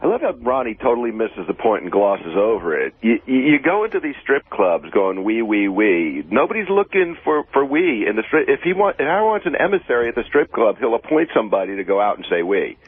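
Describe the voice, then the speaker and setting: A male caller comes through a narrow, tinny phone line with a husky, mid-pitched voice. He is mocking, needling and crude as he comments on air, his pitch moving animatedly. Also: sing-song, brisk, few pauses. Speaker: radio show caller.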